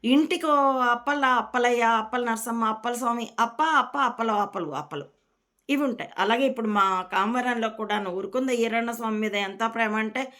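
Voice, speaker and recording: A woman from Rayalaseema, a spiritual teacher, giving a calm, reflective discourse to her followers. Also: on the high side, moderate pace. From Rayalaseema, India.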